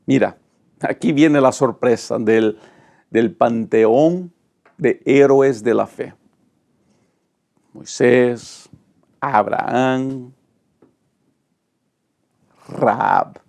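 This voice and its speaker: A man's voice: mid-range voice, drawn-out words, vocal fry, long pauses, darkish tone. A middle-aged male pastor, teaching a Bible study lesson with dramatic, emphatic delivery and rhetorical lists.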